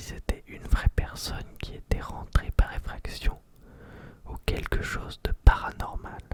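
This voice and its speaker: Whispering at a very slow pace, the voice comes through over noticeable background noise. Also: man. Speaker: ASMR creator reading stories. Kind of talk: ASMR story reading, horror. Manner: whispered, soft.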